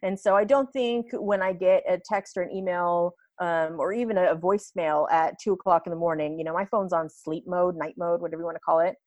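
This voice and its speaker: A woman in her thirties, a podcast guest chatting casually, laughing often and quick to get animated. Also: lowish voice, dry recording, dull audio. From United States. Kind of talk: casual interview chat.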